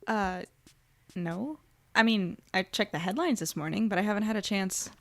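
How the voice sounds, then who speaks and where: A woman's voice: mid-range voice, moderate pace, a bit bright, natural voice. A woman playing an earnest, anxious small-town newspaper reporter in an audio drama, conversational, musing and unsure of herself. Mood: questioning, concerned. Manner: conversational, musing, self-doubting. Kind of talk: naturalistic audio drama podcast acting.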